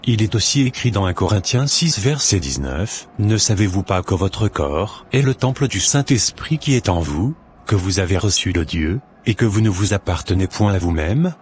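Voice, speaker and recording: A low-voiced big brother from a Christian cartoon, played by a man, earnest and preachy. He explains and admonishes in a measured, teacherly way. There is clear noise in the recording. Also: animated, a little mellow, close to an everyday voice. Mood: earnest, exhorting. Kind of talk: scripted cartoon dialogue, expository.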